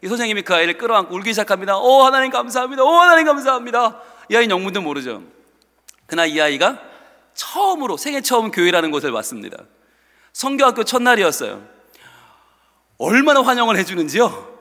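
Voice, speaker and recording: A male pastor telling a story in a sermon, animated, acting out the voices of the people in it, in a church sanctuary. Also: high voice, fast, pauses often, big-room sound. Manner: animated, acts out quotes.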